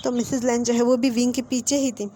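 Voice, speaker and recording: A woman's voice: fairly high pitch, level tone, a little fast, mellow, a little hiss or hum. Woman narrator, conversational and plain, retelling a romance story. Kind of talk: casual fan-fiction storytelling.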